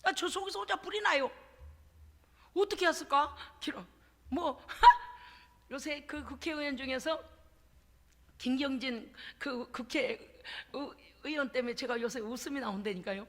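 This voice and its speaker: A woman pastor preaching a church sermon, animated and exclamatory, laughing often and making folksy, chatty asides to her congregation. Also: high-pitched, a little slow, pauses often. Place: church service. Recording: echoey church hall.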